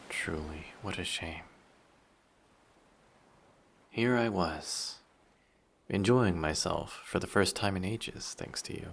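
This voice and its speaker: A man playing a dangerous, flirty sea monster in an intimate audio drama, speaking in a measured, quietly menacing way with formal wording. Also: deep voice, vocal fry, slight background noise, exaggerated voice. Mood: regretful, threatening. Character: dangerous, possessive, flirty male sea monster with fish tail.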